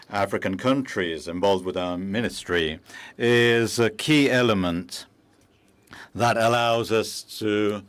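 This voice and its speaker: A man working as a simultaneous interpreter for a formal speech, measured and halting with frequent pauses and fillers, into a booth microphone. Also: on the low side, fairly bright tone. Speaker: conference interpreter.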